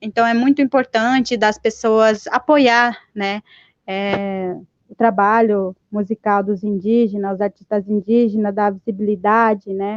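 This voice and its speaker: With a Paraguayan accent, a woman speaks fairly slowly at a fairly high pitch with fairly even intonation, the sound dry and close with no echo. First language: Guarani (speaking Portuguese). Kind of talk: conference talk. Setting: online live panel.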